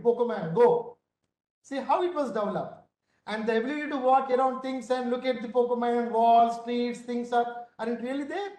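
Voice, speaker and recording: A man's voice: extremely high pitch, darkish tone. Male instructor, South Indian accent, didactic online-lecture delivery, echoey room sound. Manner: didactic, repeatedly checking with "right?". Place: indoor room, video call. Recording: roomy, echoing webcam-call sound.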